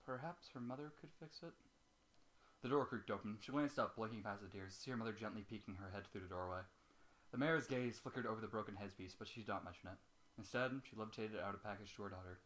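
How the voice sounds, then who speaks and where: A man's voice: fairly low pitch, a bit bright. A man hosting an amateur reading, moving between casual banter with some swearing and story narration. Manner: profane, joking. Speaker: host reading fan fiction aloud.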